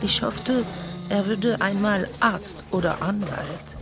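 An actress playing a prim, self-justifying middle-class mother in a radio play monologue, measured and deliberate, with music behind her. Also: medium pitch. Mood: proud, wistful. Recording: loud music under the voice. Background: loud music with guitar.

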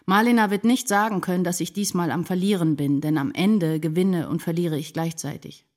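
Low-voiced, troubled woman writer played by an actress. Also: brisk, darkish tone, natural voice. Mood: brooding, reflective. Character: troubled, introspective woman writer narrating her inner life. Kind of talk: literary radio drama monologue. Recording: music behind the voice.

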